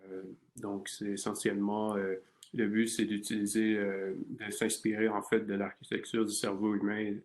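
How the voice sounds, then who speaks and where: A man's voice: fairly low pitch, flat delivery, moderate pace, darkish tone, low-quality recording. A man from Canada in his thirties, a research scientist answering interview questions, talking hesitantly with many fillers and restarts.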